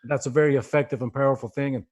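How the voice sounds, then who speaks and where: A man's voice: medium pitch, steady tone, racing, a little mellow. Impassioned Dublin man, rambling. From Ireland. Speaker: guest. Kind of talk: livestream interview.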